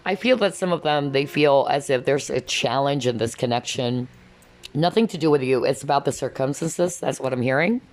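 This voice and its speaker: A woman giving a casual tarot card reading, rambling and repeating herself, her voice going hoarse from talking for hours. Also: very deep voice, normal speed, a little mellow, slight background noise. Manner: rambling, repeats "that's what I'm hearing".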